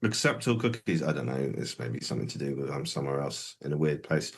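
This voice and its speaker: This music review livestream co-host has a rumbling low voice with vocal fry, big pitch swings and a quick pace. Easygoing and rambling, he keeps the casual chat going despite many hesitations.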